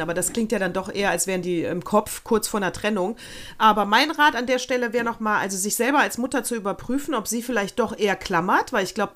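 A woman co-hosting a podcast, giving blunt, opinionated advice in casual chat and swearing freely. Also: medium pitch. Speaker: podcast co-host.

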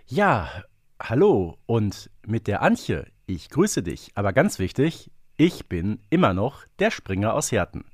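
A man's voice: on the low side, sing-song, measured pace, no room sound, clean studio sound. A man chatting casually and knowledgeably as a podcast co-host. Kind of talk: casual expert chat.

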